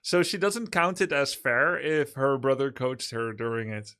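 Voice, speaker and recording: A man's voice: mid-range voice, unhurried, a bit bright. A man with a Dutch accent giving casual, chatty reaction commentary over a video he is watching. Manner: chatty, interjecting, amused asides.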